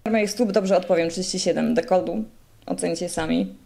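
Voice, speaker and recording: A woman's voice: fairly low pitch, a little fast, creaky, mellow. A woman answering viewer questions to camera, talking sweetly and calling her viewers her dear ones. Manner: sweet, addresses viewers as "moi kochani". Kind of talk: casual talk to camera.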